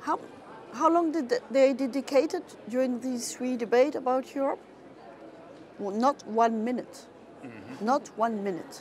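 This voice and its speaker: Speaking in a French accent, a woman uses a high pitch with ordinary pitch variation at a moderate pace, with long, frequent pauses, big swings in loudness, a dry sound with no echo and light background noise. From France. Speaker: politician. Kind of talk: panel discussion. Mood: emphatic, critical. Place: hall. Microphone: lapel.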